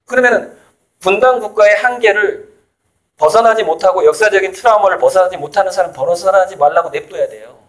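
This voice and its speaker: A man from South Jeolla talking in a casual, emphatic way as an interviewee, making his points with laughs in between. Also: high voice. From South Jeolla, Korea. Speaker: artist and author, interviewee. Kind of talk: casual conversational lecture.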